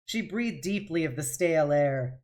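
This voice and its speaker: Casting: female read-along streamer, lower-pitched voice, dramatic storytelling delivery of prose narration. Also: lively intonation, normal speed, darkish tone. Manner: dramatic, with occasional stumbles and self-corrections. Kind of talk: expressive audiobook-style novel reading.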